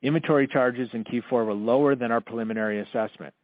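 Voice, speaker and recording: A man delivers a prepared financial presentation over a narrow, phone-like conference line. His mid-pitched voice is formal and measured, in the manner of a corporate executive. The sound is dry, with no room around it. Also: no room sound. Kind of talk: scripted earnings call presentation. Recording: narrow, dull conference-call audio.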